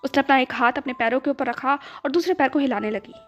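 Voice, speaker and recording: A woman narrating her own fan fiction story in a flowing, expressive way. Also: high-pitched, quick pace. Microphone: phone recording. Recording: dull lo-fi voice with background music.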